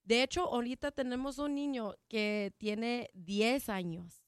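A woman's voice: fairly high pitch, fairly even intonation, smooth, no room sound, studio quality. A woman whose first language is English, speaking Spanish in a casual interview about her jazz program, with frequent restarts and fillers. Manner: halting, many restarts and fillers.

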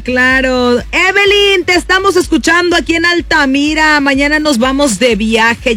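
A woman's voice: high voice, sharp tone. A Mexican woman in her thirties hosting a radio show, reading listener messages in a bubbly, laughing, self-mocking way. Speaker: radio host. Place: radio studio. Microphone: studio microphone.

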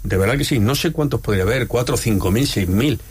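A man's voice: medium pitch, brisk, darkish tone, a little hiss or hum. A middle-aged man from Madrid, a regular panelist on a radio talk show, speaking passionately and emphatically. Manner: passionate, emphatic about football.

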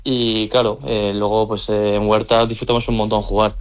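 A young handball player from the Country, answering interview questions casually, with lots of hesitant fillers. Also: male voice, lowish voice, flat delivery, moderate pace, clear, resonant tone. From French Basque Country.

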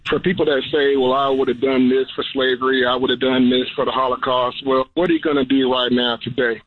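A man's voice: medium pitch, flat delivery, fairly quick, dry recording. A man calling in to a talk show over the phone, speaking earnestly and urging listeners to act. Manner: earnest, exhorting. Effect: heard over the phone. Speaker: caller. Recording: tinny phone line.

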